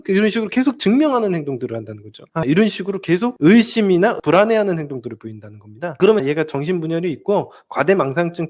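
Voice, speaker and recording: Animated, high-voiced male relationship counselor. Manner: animated, acts out examples in dialogue. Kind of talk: spoken lecture to viewers.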